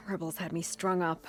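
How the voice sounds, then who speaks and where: A woman's voice: lowish voice, close to an everyday voice. A woman playing a battered tribal warrior in a game cutscene, blunt and weary in the way she talks. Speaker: game character actor. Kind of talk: dramatic game cutscene acting. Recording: music behind the voice.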